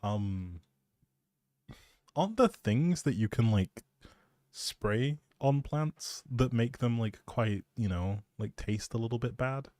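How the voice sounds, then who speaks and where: A man's voice: on the low side, darkish tone, no room sound, studio quality. A man live streaming, chatting casually in an appreciative, rambling way and thinking aloud as he goes.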